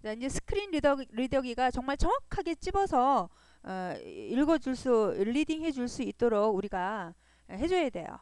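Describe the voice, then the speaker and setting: A woman's voice: fairly high pitch, sing-song, normal speed, hardly any pauses, a little mellow, clear, resonant tone, no room sound. A woman teaching a web design lesson over a screen recording, patient and repetitive, often checking in with her listeners. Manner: patient, repeats points and checks in with "그죠?". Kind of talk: screen-recorded coding tutorial.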